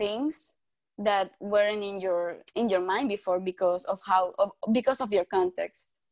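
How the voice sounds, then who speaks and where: A woman speaks in a Spanish accent. The sound is dry and close, with no echo. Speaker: guest. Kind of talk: casual chat. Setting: video call. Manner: halting.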